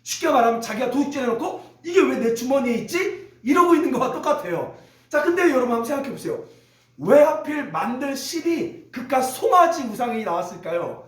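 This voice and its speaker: Male pastor, high voice, animated sermon, call-and-response, echoey church hall. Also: brisk. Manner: call-and-response preaching, prompting the congregation to repeat; lively, teasing Bible teaching. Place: church sanctuary.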